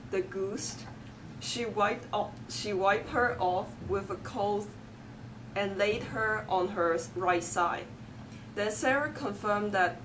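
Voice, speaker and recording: A woman's voice: mid-range voice, noisy background. A woman in her twenties from Hong Kong, with a Hong Kong English accent and Cantonese as her first language, reading a passage aloud and then answering interview questions with fillers and self-corrections. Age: 20s.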